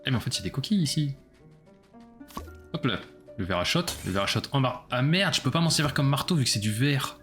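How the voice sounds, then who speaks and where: A man's voice: mid-range voice, lively intonation, fast talker, fairly bright tone, soft background music. A man casually commenting on his own gameplay during a live stream, chatty and self-mocking as he talks to his chat.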